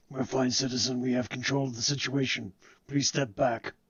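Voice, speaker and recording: A man puts on a gruff character voice at medium pitch. He speaks at a moderate pace. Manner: gruff, edgy, authoritative.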